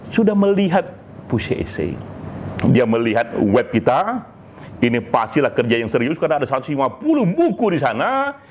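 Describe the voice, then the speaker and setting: A man giving an informal, emphatic monologue to a community, with deliberate pauses and small tag words. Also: medium pitch, sing-song, a little hiss or hum. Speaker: speaker, leader of a poetry community.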